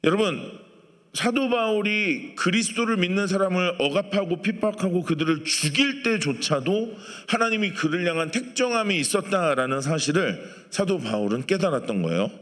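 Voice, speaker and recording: The recording carries the long reverb of a church hall as a pastor delivers a conversational sermon, asking his congregation questions. His high voice is animated and fairly bright, moving at a moderate pace.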